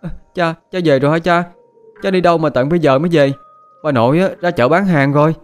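A man voicing a frightened young village boy in an audio story, with high, crying pleas. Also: quick pace, soft background music, close to an everyday voice. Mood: eager.

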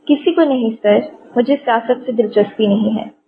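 A woman's voice: fairly high pitch, lightly acted. A woman voicing a polite, sheepish young man, a former soldier who speaks deferentially. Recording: tinny phone-like audio, faint hiss.

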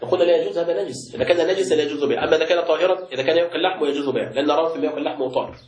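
شيخ سريع الكلام بلهجة مصرية في قاعة درس. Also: male voice, a little high, racing, roomy sound, crowd noise. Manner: explains by asking the class and answering himself. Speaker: sheikh teaching a book class. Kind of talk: classroom lecture with questions.

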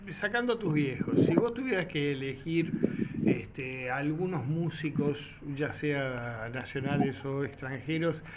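A man's voice: fairly high pitch, unhurried. Argentine radio guy asking questions, lots of este and eh, hiss and clicks behind. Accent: Argentine Spanish. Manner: hesitant, full of "este" fillers. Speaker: radio host. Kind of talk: casual interview chat.

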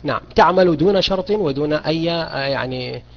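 A man's voice: fairly high pitch, a little fast, gravelly. A man teaching a beginners' grammar lesson online, questioning students and repeating key points. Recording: dull lo-fi audio.

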